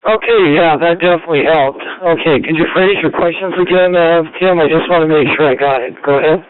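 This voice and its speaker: A man's voice: a little high, a little fast, smooth. Man on two-way radio, narrow-band sound. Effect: two-way radio transmission. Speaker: amateur radio net controller. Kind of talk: casual ham radio net talk.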